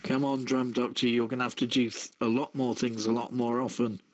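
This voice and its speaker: A man hosting a live online radio show and reading out copy in a halting way, stumbling over his words. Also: medium pitch, level tone, highs cut off.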